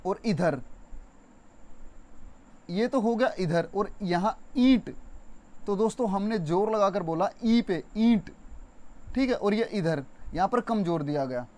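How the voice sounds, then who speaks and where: Man, young adult, high-pitched, teacher, spelling lesson, stretches words for stress, conversational. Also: expressive, a little mellow. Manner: explains slowly, repeating and stretching words for stress; addresses viewers as friends, conversational. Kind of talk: exam-prep Hindi spelling lesson.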